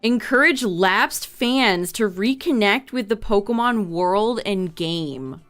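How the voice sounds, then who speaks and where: Young woman streamer, chatty and casual, voice fraying from overuse, smooth clear tone underneath. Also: medium pitch, animated, takes it slowly, fairly bright tone, soft background music. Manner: chatty, reading out notes with asides. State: losing her voice. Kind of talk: casual livestream chat to viewers.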